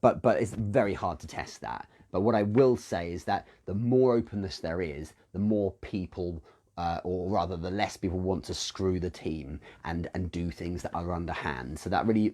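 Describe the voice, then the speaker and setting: A man's voice: deep voice, moderate pace, warm tone. A British man hosting a live question-and-answer stream, thinking aloud with frequent restarts and self-corrections. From United Kingdom. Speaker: host answering business questions.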